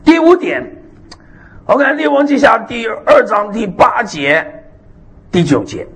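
A man preaching a sermon, animated and emphatic, with frequent hallelujahs and amens. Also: very high voice, a little slow. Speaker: pastor.

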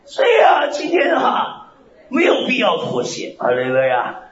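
A male pastor preaching a fiery sermon, animated and bursting into shouted phrases. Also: high voice, unhurried, crowd noise. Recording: roomy, slightly dull recording.

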